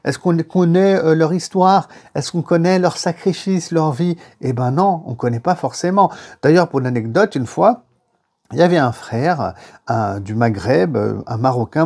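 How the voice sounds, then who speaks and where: A French-born man giving an animated religious lesson, telling anecdotes and repeating phrases for emphasis. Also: on the high side, slightly rough. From France. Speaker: religious teacher. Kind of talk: lively lecture on faith and history.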